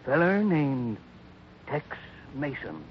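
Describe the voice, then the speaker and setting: Folksy, high-voiced little old man. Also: very animated, takes it slowly. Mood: mild, hesitant. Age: older. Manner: hesitant, folksy, mild. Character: folksy little old man, pleasant-faced, secretly murderous. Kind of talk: 1950s radio acting. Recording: muffled, noisy old radio recording.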